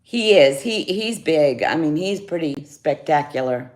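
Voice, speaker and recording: A woman's voice: deep voice, lively intonation, unhurried, a little mellow. A woman chatting casually on a jewelry livestream, greeting viewers by name. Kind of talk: casual live sales chat. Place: home studio, indoors.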